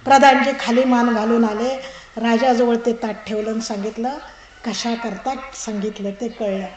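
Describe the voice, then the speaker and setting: A woman giving a religious discourse to a live audience, telling a parable in a lively way and acting out its characters. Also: fairly high pitch, normal speed. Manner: lively storytelling that acts out characters and street calls. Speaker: pravachan speaker. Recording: echoey hall with audience noise.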